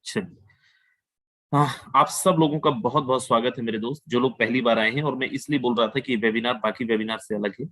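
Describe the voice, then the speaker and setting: A man's voice: medium pitch, steady tone, brisk, a bit bright, dry recording, poor audio. A man giving a persuasive sales webinar over a video call, repeating his points and mixing in phrases. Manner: persuasive, repetitive, mixes Hindi with English phrases. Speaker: webinar presenter.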